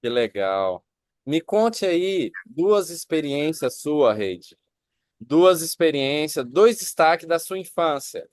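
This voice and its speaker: Upbeat pastor hosting an interview. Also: male voice, fairly high pitch, very animated, no echo, clean studio sound. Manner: upbeat, rapid questions with affirmations. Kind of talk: church interview and prayer.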